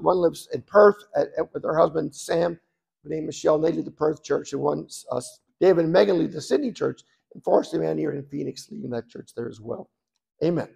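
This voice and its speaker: A hoarse man in his seventies preaching a sermon as guest speaker, rambling with self-deprecating asides, his voice raspy. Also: a little high, a little mellow. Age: 70s.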